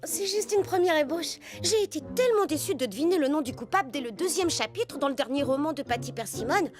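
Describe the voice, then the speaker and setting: High-voiced, gracious theatrical cartoon lady. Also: lively intonation, fast talker. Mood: pleased, earnest. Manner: formal, effusive, theatrical. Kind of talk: French children's cartoon dub acting. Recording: music playing behind the voice.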